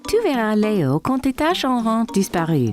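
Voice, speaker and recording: A woman voicing a caring, patient and gently firm mother in a children's cartoon, reassuring and simply spoken. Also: a little high, sing-song, normal speed, faint music behind. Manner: reassuring, simple instructive phrasing.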